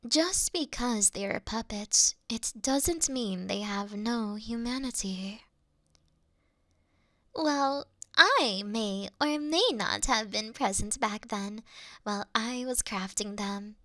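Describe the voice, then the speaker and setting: A teasing, affectionate fox-spirit priestess, played by a woman, speaks in intimate ASMR roleplay style. Her feminine voice sits a little high and moves slowly, often melting into breathy whispers. The sound is close and dry, with a coy, mischievous lilt. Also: sharp tone, no room sound. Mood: reflective, gentle.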